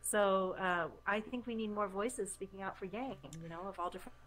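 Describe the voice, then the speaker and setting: A woman from Taiwan, Mandarin her first language, speaking as a podcast guest in a hesitant, soft way with many pauses. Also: mid-range voice. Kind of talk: casual interview talk.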